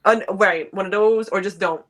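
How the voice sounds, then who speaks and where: A woman's voice: medium pitch, normal speed, fairly bright tone. A woman from New York, a podcast guest in casual chat, teasing and laughing.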